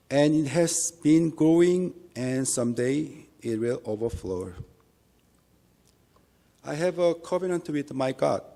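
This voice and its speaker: A man with a Korean accent, a native Korean speaker, giving an earnest church testimony in English with a measured, halting delivery and small restarts. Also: mid-range voice, vocal fry, mellow. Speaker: lay minister giving testimony.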